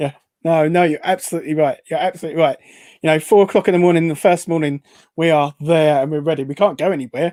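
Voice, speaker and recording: A woman's fairly low, dark, mellow voice with a British accent, fairly even intonation and a very fast pace, in a dry, close sound with no echo. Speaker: podcast host. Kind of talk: casual chat. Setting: live online show.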